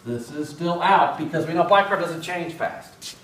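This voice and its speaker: A middle-aged man lecturing through a face mask in a large, echoey classroom, picked up by a camera well across the room. His voice sits a little high for a man, and he keeps things casual and self-deprecating, tossing questions to the students. A faint hiss lies under the recording. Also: animated, normal speed, fairly bright tone, recorded from a distance. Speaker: respiratory therapy instructor. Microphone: far camera.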